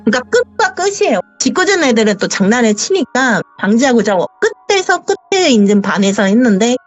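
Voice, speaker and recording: A woman's voice: a little high, very animated, fairly quick, soft background music. A woman calling in to tell a true ghost story, narrating vividly and acting out the dialogue over a voice call. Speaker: caller. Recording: dull lo-fi voice call.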